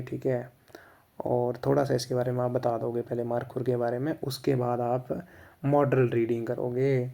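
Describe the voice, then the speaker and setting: A man's voice: medium pitch, vocal fry, mellow. Indian man explaining a lesson plan. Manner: repeats "theek hai" to check understanding. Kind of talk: casual instructional explanation mixing Hindi and English.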